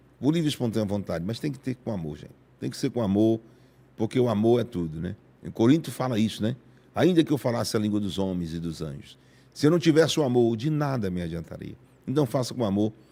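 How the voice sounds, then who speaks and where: Talking at a very fast pace, a man uses medium pitch with very wide pitch swings and a dark, mellow tone, on a very clean recording with a silent background. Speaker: self-styled prophet, online preacher. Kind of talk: live-stream prayer and offering appeal. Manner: emotional, fervent.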